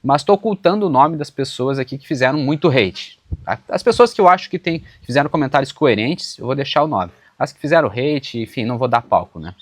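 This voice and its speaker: Fast-talking southern Brazilian man. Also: mid-range voice, expressive, no room sound. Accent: southern Brazilian, Santa Catarina. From western Santa Catarina, southern Brazil. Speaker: YouTuber on public service exam preparation. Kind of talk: casual direct-to-camera commentary, responding to comments. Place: outdoors on a small farm.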